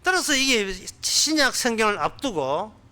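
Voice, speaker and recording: A man's voice: high voice, big pitch swings, measured pace, pushed and bright. A male pastor with a Gyeongsang accent preaching a sermon in a colloquial way, full of rhetorical questions. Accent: Gyeongsang Korean.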